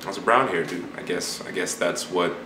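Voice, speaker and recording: A man's voice: deep voice, fairly quick. A man casually recounting a dream in a puzzled, musing, rambling, slangy way, like a YouTuber talking to viewers. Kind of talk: casual storytelling monologue. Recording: echoey room, faint background noise.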